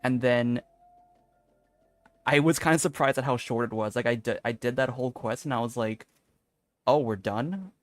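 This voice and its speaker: A man's voice: medium pitch, normal speed, long pauses, no echo, faint music behind. Casual young man streaming a game.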